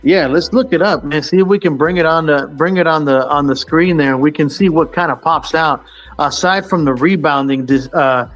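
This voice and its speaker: A man's voice: fairly high pitch, moderate pace, faint music behind. A man hosting a casual sports talk show, rambling with lots of fillers and restarts. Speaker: sports podcast host.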